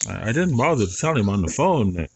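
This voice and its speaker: A man's voice: mid-range voice, very animated, fast, vocal fry, a little hiss or hum. A man who farms, talking casually and plainly in a folksy, rambling way while filming outdoors. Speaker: farmer vlogger. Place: outdoors on a farm near a barn.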